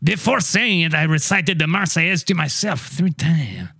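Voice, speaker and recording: A man's voice: a little high, lively intonation, gravelly, pushed and bright, slightly rough, dry recording, studio quality, exaggerated voice. A man playing a pompous French train waiter with a put-on French accent, drawling insults in an improv comedy scene. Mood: smug. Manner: haughty, insulting, slow drawl.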